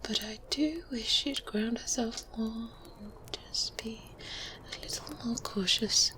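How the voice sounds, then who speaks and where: A woman voicing an experienced, self-assured good witch in a breathy, softly spoken ASMR roleplay, pausing deliberately and gently condescending. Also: on the high side, lightly acted. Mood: calm, self-assured. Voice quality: breathy, whispered. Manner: slow, deliberate, hesitant pauses with hums. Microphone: close binaural microphone. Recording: faint ambience noise behind close whispers. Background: medieval ambience sounds.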